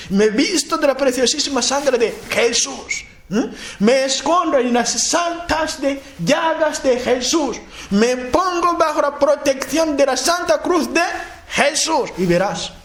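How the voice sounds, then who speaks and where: A man from Africa preaching a sermon, speaking in halting phrases, restarting and repeating words, often checking in with his listeners. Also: a bit bright. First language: a language of his homeland. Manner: chanting repeated proclamations with rising pitch.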